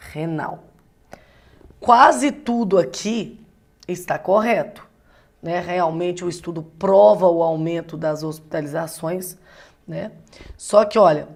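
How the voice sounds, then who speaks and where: Woman from Brazil, lower register, teacher explaining exam items with frequent check-in questions. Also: darkish tone. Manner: explanatory, asks rhetorical questions, frequent tag "né". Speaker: Portuguese teacher. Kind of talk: exam-prep lecture.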